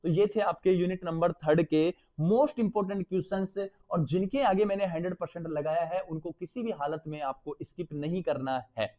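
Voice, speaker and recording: A man's voice: sits high, fairly quick, few pauses, mellow. A man with a Hindi accent, teaching an exam revision lesson, calling his students beta and checking again and again that they follow.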